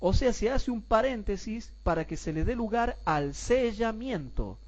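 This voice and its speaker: With a high, animated voice, this Bible class teacher poses rhetorical questions and calls his listeners brothers. He goes over his points again slowly so nobody falls behind, and the audio sounds dull.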